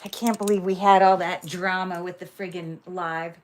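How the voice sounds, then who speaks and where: A woman's voice: on the low side, level tone, moderate pace. Chatty woman selling jewelry on a livestream. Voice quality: describes own voice as loud. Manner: chatty, many fillers, thinks aloud while handling items. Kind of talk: casual livestream sales chat.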